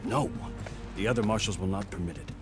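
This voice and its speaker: An actor playing a pragmatic tribal marshal, firm and matter-of-fact, in video game dialogue. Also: male voice, on the low side, a little fast, lightly acted. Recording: game audio with loud music behind.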